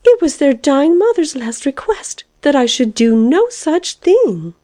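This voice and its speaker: Woman voicing a timid, prim, high-pitched lady caterpillar. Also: sing-song, normal speed, dark tone, no room sound, clean studio sound. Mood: indignant. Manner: plaintive, prim, emphatic. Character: timid, earnest green caterpillar, easily indignant old lady.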